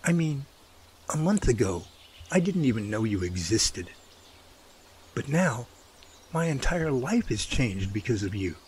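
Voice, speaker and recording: A man acting an earnest, animated protective brother. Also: medium pitch, measured pace, pauses often, slight background noise. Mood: tender, heartfelt. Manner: earnest, pleading, folksy. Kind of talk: radio drama dialogue.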